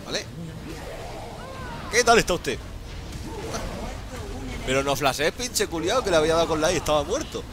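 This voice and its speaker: A man giving excited gameplay commentary as a streamer, exclaiming, laughing and swearing often. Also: a little high. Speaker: gaming streamer.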